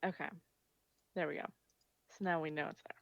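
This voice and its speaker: A woman's voice: deep voice, fairly even intonation, a little fast, creaky, dry recording, muffled recording. A woman chatting casually and with amusement while playing a tabletop game on a live stream.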